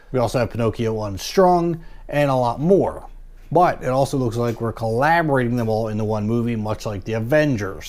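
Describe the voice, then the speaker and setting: A man's voice: mid-range voice, darkish tone. A man hosting a movie news channel, chatting casually and musing aloud about a poster with plenty of hedging.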